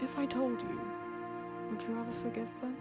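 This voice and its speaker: A woman's voice: fairly high pitch, level tone, fairly quick, over music, lightly acted. A woman acting in an audio drama as an anxious, earnest young royal lord, with a dramatic, emotional delivery. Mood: firm, guarded.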